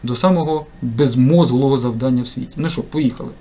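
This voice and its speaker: A male English tutor, a native Ukrainian speaker, talks through test items in a lively, joking way. His voice sits in a middle pitch. A faint hiss runs under the desk-mic recording. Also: quick pace. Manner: lively, chatty, jokey teacher's explaining. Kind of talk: casual screen-recorded lesson commentary.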